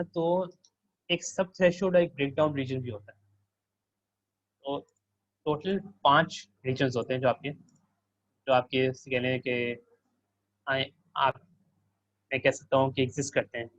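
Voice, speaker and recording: A man's voice: medium pitch, no room sound, lo-fi sound. A man working as a teaching assistant, walking students through a circuit simulation and quizzing them with questions.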